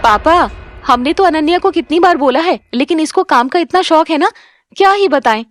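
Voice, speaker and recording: A woman's voice: high voice, moderate pace, pitched above the performer's own voice. Woman voicing a gushing spoiled young daughter. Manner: gushing, excited. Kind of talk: animated storybook voice acting.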